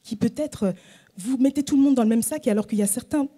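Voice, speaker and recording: Pasteure, sermon narratif, ton doux, timbre mat et légèrement soufflé. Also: female voice, on the high side, fast. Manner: gentle, storytelling preaching with whispered asides. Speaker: pastor.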